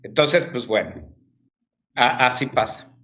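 A man's voice: medium pitch, lively intonation, slow, a bit bright, highs cut off, slight background noise. A man from Mexico, a guest on a video call, earnestly telling a spiritual story and repeating himself as he goes.

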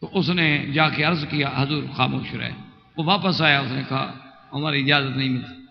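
A man's voice: medium pitch, steady tone, vocal fry. A man preaching a sermon, telling a story at length and reciting verses in a chanting lilt. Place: mosque hall. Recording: muffled recording with long hall reverb.

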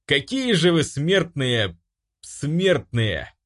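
A man's voice: mid-range voice, big pitch swings, measured pace, a bit bright, pitched above the performer's own voice. A man voicing a stern, pompous male angel who speaks in grand, solemn tones. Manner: solemn, grandiose, then snapping.

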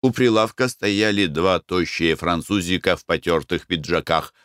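A man's voice: sits low, normal speed, fairly bright tone, clean tone, no echo, clean studio sound. A man reading a story aloud as an audiobook narrator, in scripted narration.

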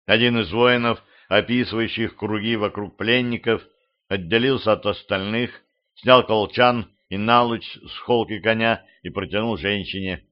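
A man reading an audiobook as narrator, with steady, even storytelling. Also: fairly low pitch, normal speed. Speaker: audiobook reader. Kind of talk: scripted narration. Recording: slightly dull lo-fi audio.

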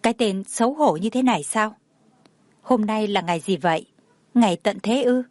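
A woman's voice: medium pitch, moderate pace, darkish tone, no room sound, close to an everyday voice. A woman voicing a flustered young male assistant who sounds incredulous and stammers.

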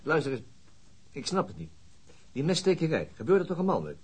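A man's voice: a little high, wildly swooping pitch, brisk, husky, exaggerated voice. An actor playing a businesslike lead detective who questions his colleagues in a matter-of-fact way. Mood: brisk. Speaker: police detective. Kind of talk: radio drama acting.

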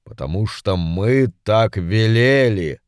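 A pompous demon lord of hell who speaks with slow, heavy, commanding weight and uses the royal "we", as a male narrator puts him on. The voice is loud and drawn out, with a lively rise and fall, recorded dry and close. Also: smooth, no echo. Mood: imperious. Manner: slow, booming, imperious. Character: pompous ancient demon lord, elephant-bumblebee. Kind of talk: audiobook character voice.

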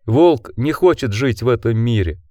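A man voicing a dying, gentle male werewolf who speaks slowly, stressing each word, weak and fading. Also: mid-range voice, expressive, no echo, clean studio sound, lightly acted. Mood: tender, fading.

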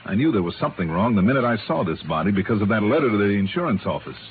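Johnny Dollar, shrewd low-voiced American investigator. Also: male voice, sing-song, very fast. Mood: accusing, confident. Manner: confident, pressing, sardonic. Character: shrewd, hard-nosed male insurance investigator. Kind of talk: old-time radio drama acting. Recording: vintage radio, narrow band, faint hiss.

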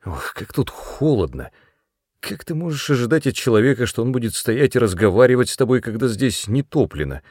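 A man's voice: mid-range voice, expressive, fast, hardly any pauses, no echo, studio quality, pitched above the performer's own voice, lightly acted. A man voicing a snappish, self-important young man. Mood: gruff. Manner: sharp, snapping, louder than the narration. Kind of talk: audiobook character voice.

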